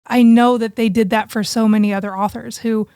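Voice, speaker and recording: A woman's voice: on the high side, steady tone, fairly quick, warm tone, clear, resonant tone, dry recording, studio quality. A woman co-hosting a podcast, telling personal stories in a casual, conversational way. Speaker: podcast co-host. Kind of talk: casual chat, personal storytelling.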